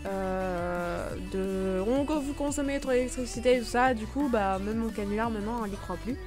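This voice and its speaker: Une femme qui commente sa vidéo sur un ton de vlog décontracté. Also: female voice, fairly high pitch, moderate pace, over music. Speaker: video host.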